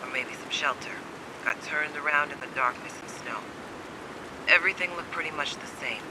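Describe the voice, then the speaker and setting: A male actor as a guarded game survivor on edge, with a fairly high voice. The delivery is blunt, cynical and urgent. A clear low rumble runs under the speech. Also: normal speed, close to an everyday voice. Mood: grim, shaken. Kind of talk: dramatic video game acting.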